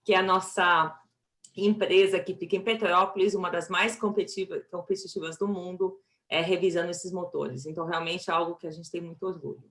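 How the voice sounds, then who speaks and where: A woman's voice: fairly low pitch, fairly even intonation, a little fast, a bit bright. A woman with a Brazilian accent, a chief executive presenting her company on a business panel.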